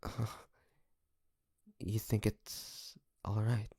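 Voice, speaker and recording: A man playing an earnest, emotional young hunter in an audio drama, speaking haltingly with stammers. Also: fairly low pitch, level tone, dark tone, slightly rough, no echo, clean studio sound, full character voice. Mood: emotional, apologetic. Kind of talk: dramatic audio roleplay acting.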